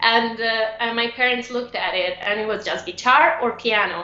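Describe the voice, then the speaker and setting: A woman with an Italian accent and a fairly high pitch, amid audible room echo and noticeable background noise. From northeast Italy, near Venice. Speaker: classical guitarist and teacher. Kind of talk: interview.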